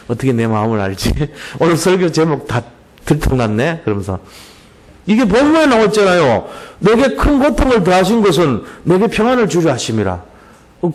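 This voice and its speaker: A man's voice: fairly high pitch, a little mellow. A male pastor preaching a sermon in a church, reading scripture and acting out the voices he quotes, with many rhetorical questions.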